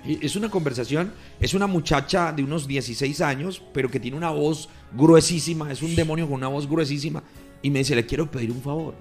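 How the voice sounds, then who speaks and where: A man, a pastor giving a fervent testimony in a radio interview, often growing loud. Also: on the high side, fairly quick, soft background music. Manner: emphatic, grows loud when retelling. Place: radio studio.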